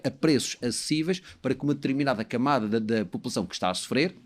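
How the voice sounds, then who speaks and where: A man's voice: mid-range voice, very fast. A man in his fifties or early sixties with a Lisbon Portuguese accent, giving opinions as a panel commentator and often repeating words and syllables. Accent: European Portuguese, Lisbon. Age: 50s to early 60s. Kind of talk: opinionated discussion.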